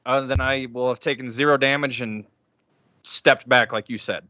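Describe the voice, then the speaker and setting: Male tabletop player, bright edge, medium pitch, casual chat, dry and slightly lo-fi. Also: steady tone, moderate pace, no room sound.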